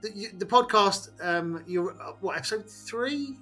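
An English man chats casually as a podcast co-host. His voice sits a little high for a man and is bright and forward, over quiet background music. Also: animated, moderate pace. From England. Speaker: podcast co-host and game master. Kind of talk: casual chat.

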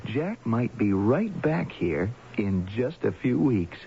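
A man's voice: medium pitch, big pitch swings, takes it slowly, vocal fry, heavily acted. A man acting a folksy, well-meaning acquaintance in a radio mystery drama, conversational and a little hesitant. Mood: earnest, hesitant. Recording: dull, noisy vintage radio recording.

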